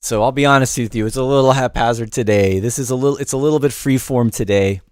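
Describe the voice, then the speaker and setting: Middle-aged male host, relaxed and rambling, mid pitch, dry close studio sound. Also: fast talker, clear, resonant tone, no room sound. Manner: loose, off-the-cuff, many fillers and restarts. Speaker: music production instructor and livestream host. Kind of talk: casual livestream tutorial, chatting with viewers. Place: home studio in New York.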